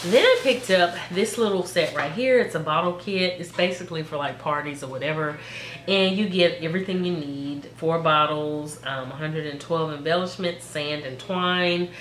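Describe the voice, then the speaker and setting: A woman chats casually through her shopping haul, stuffed up from a cold. She rattles off prices with excitement and trails off into fillers. The sound is roomy and echoey, with a faint hiss behind her. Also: low voice. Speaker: vlogger showing a craft store haul. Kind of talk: casual haul video chat. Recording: echoey room with faint noise.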